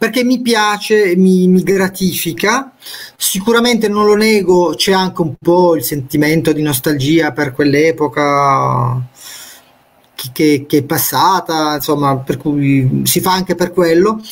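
Lively in intonation, a man speaks at a fairly slow pace with a fairly high pitch. His loudness stays very even. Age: 40s. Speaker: software developer; guest. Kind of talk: casual chat. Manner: halting. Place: home room. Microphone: webcam.

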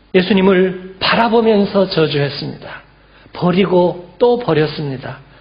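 A man's lively intonation carries at a moderate pace through noticeable background noise. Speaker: pastor. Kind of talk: sermon. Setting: church.

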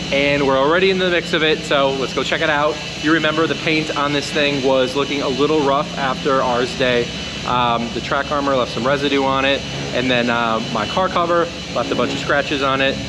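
A man talks fairly quickly against loud background noise. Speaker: car owner vlogger. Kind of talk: casual vlog chat. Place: garage. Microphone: phone near.

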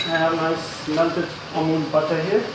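A man's voice with audible room echo over noticeable background noise. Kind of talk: cooking tutorial. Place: kitchen. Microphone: phone near.

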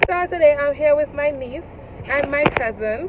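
Through noticeable background noise, a woman talks at a moderate pace with ordinary pitch variation, the sound dry with no echo. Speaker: vlogger. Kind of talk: casual vlog chat. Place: car. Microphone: phone near.

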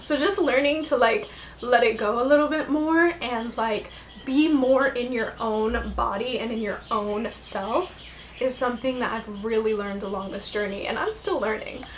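A woman with an American accent speaks at a moderate pace in a high pitch, her intonation lively. There is light background noise. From Utah. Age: 20s. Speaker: online content creator. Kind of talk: vlog monologue. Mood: calm, reflective. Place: home room.

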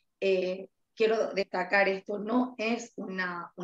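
Audible room echo surrounds a woman's voice. She talks at a fairly slow pace with fairly even intonation. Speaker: guest. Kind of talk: interview answer. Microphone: video call.

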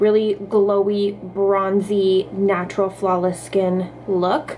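There is light background noise as the woman talks. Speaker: beauty vlogger. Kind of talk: makeup tutorial. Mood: relaxed, cheerful. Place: bathroom. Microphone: phone near.

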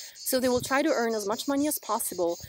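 A woman with an Italian accent, fairly quick and lively in intonation, in a dry, echo-free sound over light background noise. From Italy. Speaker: video creator explaining addiction. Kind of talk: educational monologue. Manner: explanatory, slightly hesitant with fillers. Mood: calm, earnest. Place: garden. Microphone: phone near.

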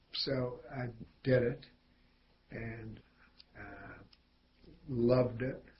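A man talks in a monotone, flat intonation with vocal fry. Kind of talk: oral history interview answer. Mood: wry, dryly humorous. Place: office.

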